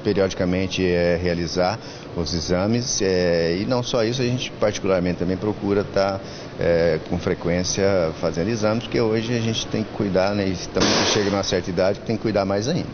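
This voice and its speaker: A man in his fifties speaks into a handheld mic at an indoor school fair, earnest and full of restarts as he gives advice. His voice sits low. The recording is dull and lo-fi, with steady crowd-hall noise behind him. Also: moderate pace. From Brazil. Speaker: school staff member interviewed. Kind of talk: on-camera event interview. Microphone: handheld mic held by interviewer. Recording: lo-fi with clear background noise.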